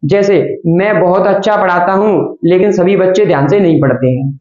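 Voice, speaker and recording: A man's voice: high voice, moderate pace, darkish tone, roomy sound, lo-fi sound. A man teaching an English grammar lesson, asking questions and answering them himself and calling his students children.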